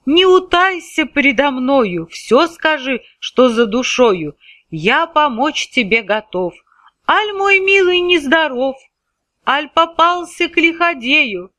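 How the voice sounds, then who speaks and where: A kindly little humpbacked magic horse gently coaxes and advises, as a woman reading verse puts it on. The voice is high, bright and lilting, with wide swings. The recording is close and dry. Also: expressive, slow, no room sound, exaggerated voice. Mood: tender.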